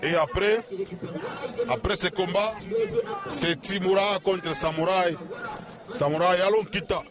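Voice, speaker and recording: Male ringside commentator with a slightly high voice, excitable play-by-play over a cheering crowd. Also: measured pace. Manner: excited, with rhetorical questions. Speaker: wrestling commentator. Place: outdoor wrestling event. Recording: crowd noise behind.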